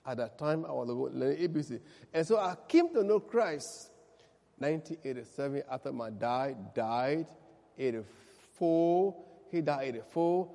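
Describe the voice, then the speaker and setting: A man from Liberia with a Liberian accent, a pastor praying and giving his testimony, speaking slowly and deliberately. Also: a little high, very animated, vocal fry, warm tone. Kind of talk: prayer and testimony sermon. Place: church service. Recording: echoey church hall.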